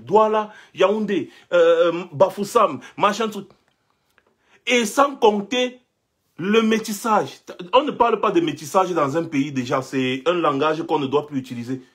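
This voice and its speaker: A young man from Cameroon holds forth in a passionate monologue, pressing his points again and again with rhetorical questions. His voice sits high and has a husky edge. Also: fairly bright tone. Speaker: commentator. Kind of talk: impassioned monologue.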